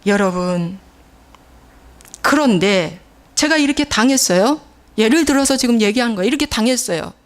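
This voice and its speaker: A woman's voice: fairly high pitch, lively intonation, moderate pace, long pauses. Emphatic Korean woman pastor preaching. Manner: emphatic storytelling preacher, acting out quoted scolding. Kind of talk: sermon. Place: church.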